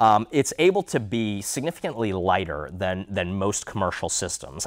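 Against a quiet background, a man with a fairly low voice talks at a moderate pace. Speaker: product presenter. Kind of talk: casual product explainer to camera. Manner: conversational, with frequent fillers. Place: studio. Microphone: lapel.

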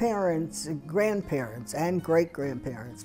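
Over clear music in the background, a woman speaks with a very deep, low pitch. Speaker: interviewee. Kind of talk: interview answer, family storytelling. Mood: warm, amused. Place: home room. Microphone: lapel.

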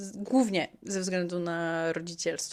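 Her pitch is medium and her intonation fairly even. The woman speaks at a very slow pace. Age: 30s. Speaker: podcast co-host. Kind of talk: casual chat.

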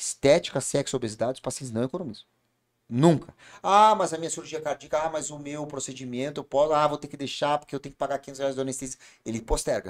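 A man at a fairly high pitch and a very fast pace, with big swings in loudness, ordinary pitch variation and a quiet background. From Brazil, Curitiba; Brazil. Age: 40s. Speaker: doctor and health company executive; podcast guest. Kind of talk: casual interview. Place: studio. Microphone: studio mic.

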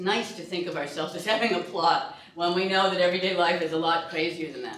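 There is audible room echo. A woman speaks with a fairly low pitch. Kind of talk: conversational discussion, personal anecdote. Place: hall.

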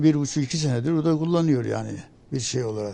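Very fast speech from a man with a fairly high pitch and lively intonation, audible room echo around him. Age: 60s. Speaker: patient giving testimonial. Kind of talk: testimony. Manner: halting.

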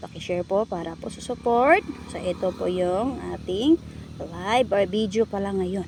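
A woman's medium-pitched voice at a moderate pace, with ordinary pitch variation and big swings in loudness, over noticeable background noise. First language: Cebuano (Bisaya) (speaking Tagalog). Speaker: vlogger. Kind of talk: casual cooking vlog. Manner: halting, many fillers.

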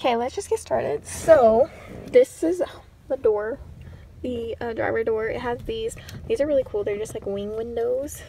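A woman at a fairly quick pace, dry sound with no echo, noticeable background noise behind her. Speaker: car owner vlogger. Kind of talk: casual vlog chat. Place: car. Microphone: phone near.

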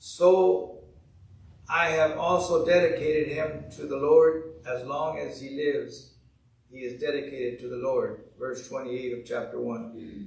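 At a fairly slow pace and fairly high pitch, a somewhat breathy man speaks with ordinary pitch variation and big swings in loudness, in audible room echo. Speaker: preacher. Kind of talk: sermon. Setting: church. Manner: preacherly, call-and-response, repeatedly asking the congregation for 'Amen'; earnest, emphatic, rhythmic cadence with repeated phrases. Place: church. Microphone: podium.

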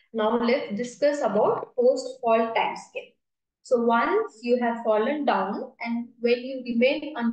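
A woman speaks at a moderate pace in a high voice. The background is quiet, with audible room echo. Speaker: clinic health educator. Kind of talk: lecture. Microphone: webcam.

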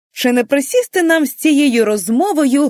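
A woman's put-on character voice with very wide pitch swings at a moderate pace, dry and close with no echo, on a very clean recording with a silent background. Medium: read story. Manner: warm, gallant, chatty.

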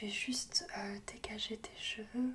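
A soft-spoken woman with a gentle tone talks at a very slow pace and high pitch, with ordinary pitch variation and light background noise. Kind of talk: soft-spoken ASMR role-play. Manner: soft-spoken, gentle, hushed voice. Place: home room. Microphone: phone near.

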